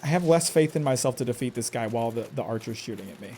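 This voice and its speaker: A fast-talking man with a medium, somewhat mellow voice and lively intonation comments on his own game as he streams it live, with slight background noise. He's under stress, talking to himself and swearing at enemies in abrupt bursts.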